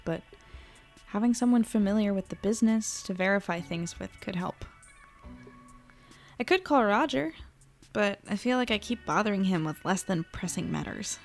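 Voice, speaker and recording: A woman's voice: mid-range voice, close to an everyday voice. A woman playing an earnest, anxious small-town newspaper reporter in an audio drama, conversational, musing and unsure of herself. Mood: pensive. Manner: conversational, musing, self-doubting. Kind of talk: naturalistic audio drama podcast acting.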